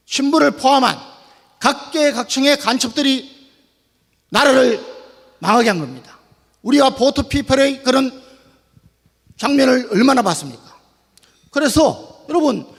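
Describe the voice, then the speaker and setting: An older man giving a rousing, booming political speech to an audience, emphatic and drawing out his phrases. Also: gravelly. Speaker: public speaker, retired general. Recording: long hall reverb.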